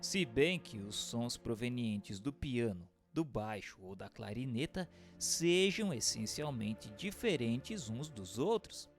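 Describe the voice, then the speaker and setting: A man plays a learned spirit lecturing patiently in a radio play. The Brazilian voice is solemn and eloquent, rising and falling widely on emphatic, deliberate phrases. Music plays underneath. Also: mid-range voice. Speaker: voice actor in an audio book dramatization. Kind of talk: scripted radio drama monologue, didactic reading.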